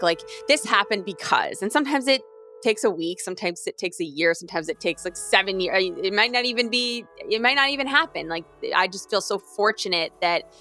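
A woman in her thirties, a retired athlete, telling her story candidly and earnestly, often restarting phrases and turning lively when she quotes others. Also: medium pitch.

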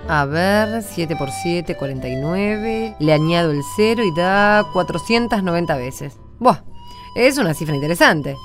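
A woman's voice: fairly low pitch, expressive, measured pace, music in the background. A woman speaking in a conversational radio drama style. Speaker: cast member of a religious radio show.

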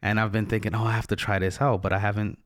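A man's voice: on the low side, level tone, fast talker, no echo, clean studio sound. A man hosting an interview podcast, asking questions casually and encouraging his guest with frequent murmurs of agreement. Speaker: podcast host.

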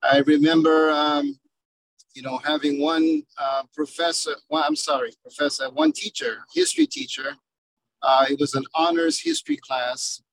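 Man on a choppy video call, gravelly. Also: on the high side, expressive, low-quality recording. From Cape Verde. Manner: halting, leans on "you know" fillers. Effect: choppy video call connection, breaking up. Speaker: educator guest. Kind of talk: panel discussion. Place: in a car.

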